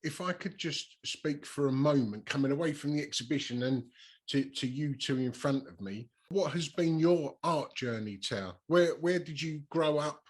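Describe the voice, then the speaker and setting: A man's voice: a little high, moderate pace. A man hosting an arts interview, asking questions in a reflective, musing way. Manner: reflective, musing, brief backchannels. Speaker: podcast host.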